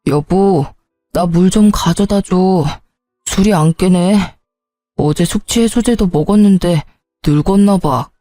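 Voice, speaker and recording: A defensive, grumbling husband, put on by a woman reading a story aloud. He whines and makes excuses in a slightly lowered, mellow voice. The sound is close and dry, with faint music underneath. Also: slow pace, dry recording. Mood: groggy. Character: irritable hungover married man. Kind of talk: storybook narration voicing a character.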